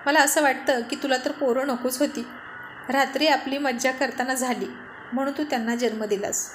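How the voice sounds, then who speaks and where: A woman's voice: sits high, steady tone, normal speed, lightly acted. Woman reading the lines of a teasing jokey husband, slight hiss behind. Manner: teasing, joking. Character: joking, good-natured husband.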